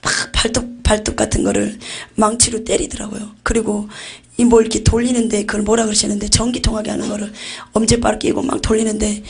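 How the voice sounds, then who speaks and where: A woman's voice: mid-range voice, little pitch movement, a little fast, creaky, a little mellow. A woman giving an intense religious testimony about visions, often dropping to a near-whisper. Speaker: testimony giver.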